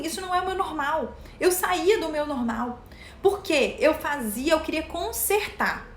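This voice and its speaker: Brazilian woman, high voice, live-talk host, chatty and direct, echoey room. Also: fairly bright tone, a little hiss or hum. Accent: Brazilian Portuguese. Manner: chatty, addresses viewers directly. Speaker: mental health content host. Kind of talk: casual live talk to viewers. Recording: roomy echo.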